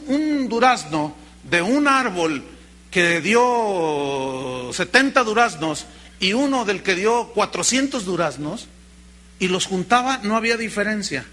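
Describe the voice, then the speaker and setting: A man with a Mexican accent preaching a sermon, telling stories in an animated way and calling his listeners brother. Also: high-pitched. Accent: Mexican Spanish. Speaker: pastor.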